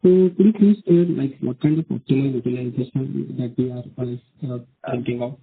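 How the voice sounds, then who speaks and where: A man's voice: medium pitch, steady tone, vocal fry, a little hiss or hum. Muffled man on a phone line, as if through a wall. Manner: polite, halting, with many fillers. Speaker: analyst asking questions on an earnings call. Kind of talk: conference call questions. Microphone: phone held close.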